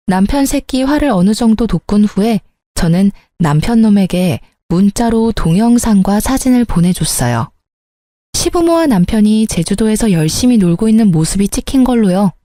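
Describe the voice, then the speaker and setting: A woman narrating a first-person drama story in a calm, steady, scripted way. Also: medium pitch, no echo, clean studio sound.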